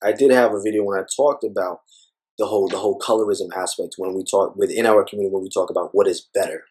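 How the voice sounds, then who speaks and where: A man's voice: sits low, fairly even intonation, fast, a little mellow, slightly rough. A man speaking as an interview guest, talking thoughtfully in a rambling way with many fillers. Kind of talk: reflective personal conversation.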